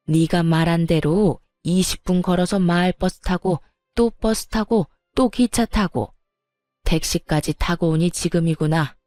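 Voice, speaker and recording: A spiteful, sneering older mother-in-law, voiced by a woman narrator, drawling her scolding lines low and slow in a mellow tone. The storytelling sounds dry and close, with faint music underneath. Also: no echo, natural voice. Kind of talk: storytelling narration with acted dialogue.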